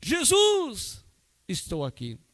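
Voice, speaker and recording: Man acting out a fervent young worshipper, shouted high prayer. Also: wildly swooping pitch, takes it slowly, full character voice. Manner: cries out loud and high.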